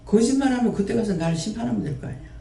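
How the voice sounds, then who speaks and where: Preaching and scolding his audience through a string of rhetorical questions, this man runs a prayer house. His voice sits high and is expressive, very fast, gravelly, and mellow, picked up by a distant mic with roomy echo.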